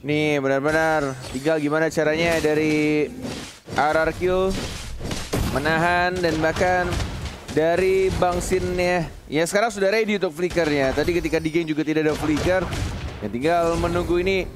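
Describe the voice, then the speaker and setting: A man's voice: a little high, fairly even intonation, moderate pace, noisy background. A man with an Indonesian accent giving emphatic esports commentary, repeating words for stress. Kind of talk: animated live game analysis. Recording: music bed under commentary. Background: background music.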